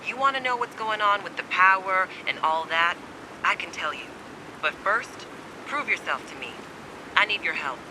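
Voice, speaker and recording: A guarded game survivor on edge, with a fairly high voice. The delivery is blunt, cynical and urgent. A clear low rumble runs under the speech. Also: male voice, animated, normal speed. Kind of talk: dramatic video game acting.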